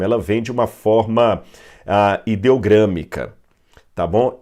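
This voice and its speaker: A man with a Brazilian Portuguese accent gives a Bible history lesson in a lowish voice. He explains step by step, often pausing on fillers and correcting himself mid-phrase. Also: darkish tone. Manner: digressive, with fillers and self-corrections. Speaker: Bible teacher. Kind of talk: explaining at a whiteboard.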